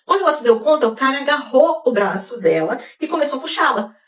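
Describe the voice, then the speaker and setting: A woman gives scripted narration in a measured, explanatory tone, with a voice that sits somewhat high. She sounds set back from the mic, and the room echoes noticeably around her. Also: big pitch swings, fairly bright tone, far from the mic. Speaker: video narrator.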